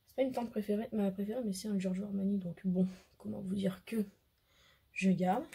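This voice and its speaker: A hoarse woman with a French accent, a beauty vlogger chatting casually to camera, hesitant and full of fillers. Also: medium pitch, fairly even intonation, a little fast, warm tone. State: hoarse, losing her voice. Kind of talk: casual makeup haul chat to camera.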